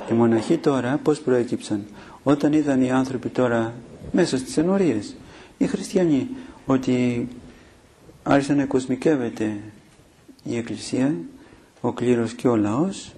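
A man preaching a sermon, teaching in a steady way with filler pauses and rhetorical questions. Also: medium pitch, slightly rough.

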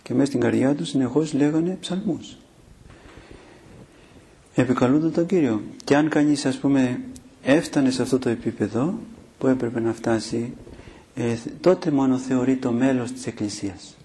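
Dark-voiced Greek Orthodox preacher. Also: male voice, medium pitch, slightly rough. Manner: teaching, with filler pauses and rhetorical questions. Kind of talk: sermon.

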